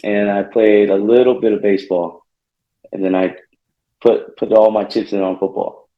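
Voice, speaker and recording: A young man from Northern California, a college football player answering interview questions, soft-spoken and hesitant with many fillers. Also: on the low side, flat delivery, moderate pace. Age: young adult. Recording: echoey, muffled remote call line.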